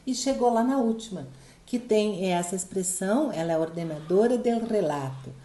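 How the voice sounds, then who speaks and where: A Brazilian woman teaches a recorded class, with a mellow, rather dark voice. She walks through each point patiently and keeps asking whether the students follow. The room around her is echoey. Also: mid-range voice. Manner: explanatory, checks in often with "tá?" and "né?". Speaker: Spanish teacher. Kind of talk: recorded online class explaining grammar.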